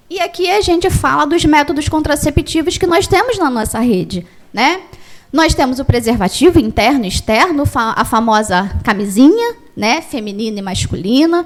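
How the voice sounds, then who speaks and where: Amid noticeable background noise, a woman at high pitch speaks at a moderate pace with very wide pitch swings. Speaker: nurse and women's health coordinator. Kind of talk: lecture.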